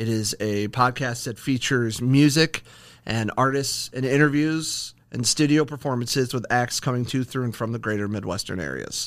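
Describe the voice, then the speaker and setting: An unremarkable speaking voice from a man with an American accent, medium in pitch with ordinary pitch variation. He speaks at a moderate pace in a very clean recording with a silent background. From Akron, Ohio. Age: 30s. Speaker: podcast host. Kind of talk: casual interview. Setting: studio.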